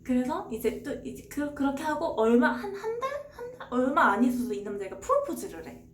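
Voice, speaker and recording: Young woman streamer rambling through a novel's plot, kinda high voice, echoey room w/ faint hiss. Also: very animated, fairly quick. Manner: chatty, rambling, answers chat with short replies. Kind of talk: casual retelling of a novel. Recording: roomy echo, faint background hiss.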